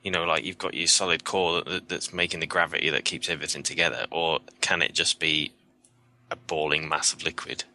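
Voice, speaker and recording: A man's voice: very deep voice, level tone, fairly quick, bright, forceful tone. A man speaking as a podcast guest in casual chat, curious and asking naive questions.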